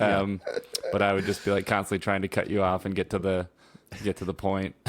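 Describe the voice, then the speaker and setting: A man mumbles his words. His intonation stays flat and monotone. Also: fairly low pitch for a man, very even loudness. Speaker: improv comedian, podcast host. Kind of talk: casual chat. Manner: mumbling.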